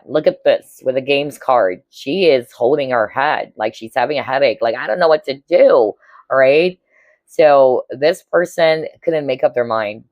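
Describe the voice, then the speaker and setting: Hoarse woman giving a tarot reading. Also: a bass voice, a little mellow, no room sound, muffled recording. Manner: chatty, keeps checking in with "all right?" and "okay?". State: hoarse, voice cracking. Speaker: tarot reader. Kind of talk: casual pick-a-card tarot reading to viewers.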